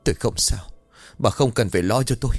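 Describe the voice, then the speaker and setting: A frightened older village father, voiced by a male narrator, stammering and pleading in a shaky voice. The fear sits in every halting phrase of this spoken horror story. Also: medium pitch, breathy edge, no room sound, soft background music. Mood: shaken.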